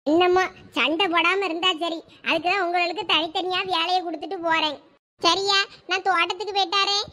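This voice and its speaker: A woman with a very high voice and fairly even intonation plays a bossy village mother in a cartoon. In a Thoothukudi Tamil accent, she scolds her daughters sharply and nags at a rapid clip.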